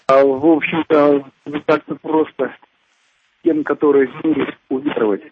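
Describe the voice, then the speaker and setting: A man calling in to a radio show over a phone line with glitching, breaking-up audio. He speaks in halting, hesitant phrases. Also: fairly high pitch, steady tone, slightly rough. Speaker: radio caller. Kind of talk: phone-in question. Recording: muffled, lo-fi phone line from a distance.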